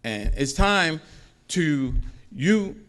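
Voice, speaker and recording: A man's voice: on the high side, expressive, very slow, fairly bright tone. A middle-aged man giving a rambling, repetitive public comment at a school board meeting from a podium microphone, growing more heated as he goes.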